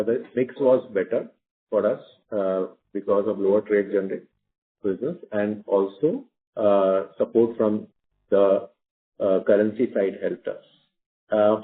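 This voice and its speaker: Low-voiced male executive on a phone line. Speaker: company finance executive. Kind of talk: answering questions on an earnings conference call. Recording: muffled phone conference line.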